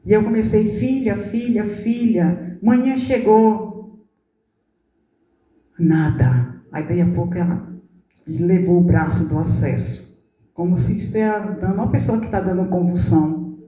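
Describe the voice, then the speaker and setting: Uma apóstola idosa, com sotaque nordestino do Brasil, prega um testemunho terno e emocionado. Sua voz é muito grave e suave, e soa distante, captada do fundo de uma igreja com eco. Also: female voice, lowish voice, normal speed. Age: 70s. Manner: tender storytelling, acting out quoted dialogue, voice dropping soft. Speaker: apostle preaching. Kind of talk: emotional testimony in a sermon. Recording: roomy hall, voice from a distance.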